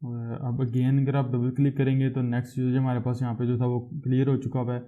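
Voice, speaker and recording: A man walks through a programming tutorial in a flat, even voice that barely rises or falls. He explains each step patiently, often stopping to correct himself. The sound is thin and tinny, like a phone line. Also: medium pitch, a little fast. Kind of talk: screen-recorded coding tutorial.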